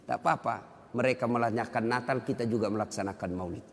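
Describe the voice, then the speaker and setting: A man preaching to a congregation as an Islamic preacher, telling funny stories in a lively, animated way. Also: mid-range voice, fast. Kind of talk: sermon with comic storytelling. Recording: long hall reverb.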